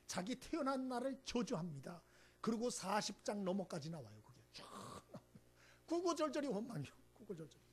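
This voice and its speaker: A man's voice: sits high, slightly rough. A male senior pastor giving a Sunday sermon in a church, talking to the congregation in a conversational, emphatic way and often checking in with a rhetorical "eh?". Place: church sanctuary.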